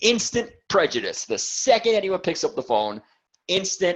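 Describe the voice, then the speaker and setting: A man talks at a moderate pace in a New York accent. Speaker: sales coach. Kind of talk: webinar Q&A. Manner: conversational, direct.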